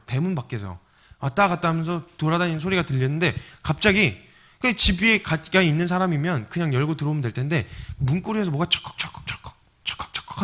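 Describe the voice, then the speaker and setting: Male preacher, quick delivery, high lively voice, bright tone, storytelling sermon. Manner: animated storytelling, acts out scenes with sound effects. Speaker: missionary preacher. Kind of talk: sermon to young adults.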